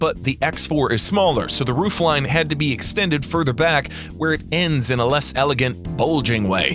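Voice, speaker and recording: A man speaks at a moderate pace with lively intonation, in a dry sound with no echo. Music plays in the background. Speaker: car video narrator. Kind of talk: commentary.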